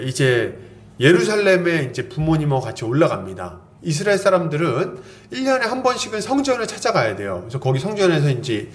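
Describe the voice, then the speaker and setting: A man's voice: fairly high pitch, echoey room, a little hiss or hum. A man preaching a sermon as a pastor, earnest and admonishing, acting out quoted lines from parents and children. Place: church sanctuary.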